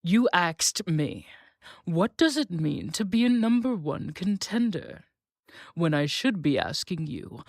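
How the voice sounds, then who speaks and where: A performer playing a composed, defiant wrestling contender, delivering a deliberate, confrontational scripted promo with rhetorical questions. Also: medium pitch, no room sound, clean studio sound.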